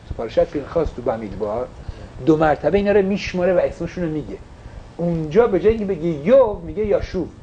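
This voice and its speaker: A man's voice: fairly high pitch, a little mellow, slight background noise. A man teaching a casual religious class, asking his listeners questions and slipping English phrases into his talk.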